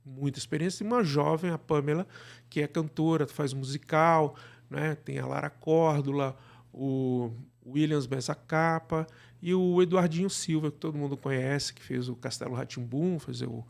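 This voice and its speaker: A man's voice: on the high side, fairly even intonation, normal speed, vocal fry. A Brazilian man explaining things conversationally as an interview guest, often checking for agreement with little tag questions. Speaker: interview guest, radio drama director.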